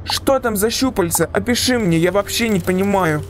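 A woman's voice: medium pitch, normal speed, slight background noise, voice pushed down, natural voice. A woman voicing a sceptical but concerned young man in a horror text-message story. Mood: disbelieving. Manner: questioning, mildly exasperated.

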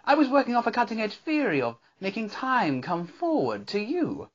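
Cartoon male pony scientist, played by a voice performer: eccentric, exclamatory, genteel, very animated pitch, somewhat muffled sound. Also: normal speed. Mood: earnest, musing. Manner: theatrical, exclamatory, wordy and genteel. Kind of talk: character voice reel, theatrical cartoon acting.

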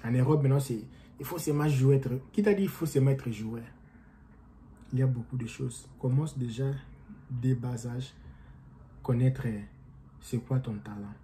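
A young man with a very dark, mellow voice and an accent gives an animated motivational talk straight to his camera. He rambles and restarts as he gestures, recorded in a small room at home with a faint hiss behind him. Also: medium pitch, normal speed, pauses often. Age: young adult. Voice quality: non-native-sounding French accent, by his own account. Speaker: motivational vlogger.

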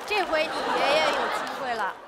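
An actress playing a feisty, sassy youngest daughter who mixes cutesy bravado with quick retorts. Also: female voice, sits high, lively intonation, over a noisy crowd, heavy background noise. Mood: chatty. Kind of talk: sitcom acting before a live audience. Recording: roomy stage with audience laughter.

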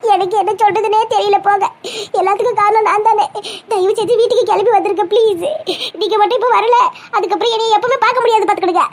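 A woman's voice: very high-pitched, very fast, hardly any pauses. A woman voicing an anxious, emotional young fiancée in a cartoon, with a fretful, pleading way of talking. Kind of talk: cartoon comedy voice acting.

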